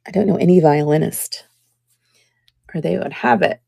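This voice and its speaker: A woman hosts a live jewelry sale in a slow, easy way. Her voice is very gravelly and scratchy, and it sits fairly low. The sound is dry and close, and she drops to near whispers as she shows off each piece. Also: no echo. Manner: slow, chatty, drops to soft whispers while showing pieces. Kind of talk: casual live-stream selling chat.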